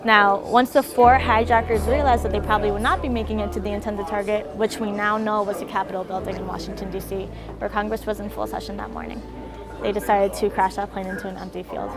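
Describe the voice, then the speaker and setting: A woman's voice: medium pitch, quick pace. Woman explaining history over background music.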